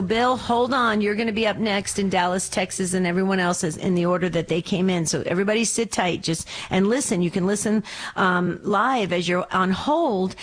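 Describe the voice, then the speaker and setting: A woman hosting a live call-in radio show, announcing briskly and upbeat. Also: mid-range voice.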